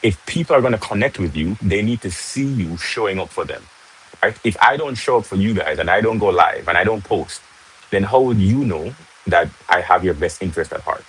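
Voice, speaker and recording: A man's voice: deep voice, lively intonation, brisk, a bit bright, breathy edge, low-quality recording. A young man from Jamaica with a Jamaican accent, hosting a casual livestream and chatting to viewers, often tagging on "right?". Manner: chatty, repeats "right?", greets viewers mid-talk. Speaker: livestream host. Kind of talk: casual live-stream teaching. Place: in Jamaica, casual home setting.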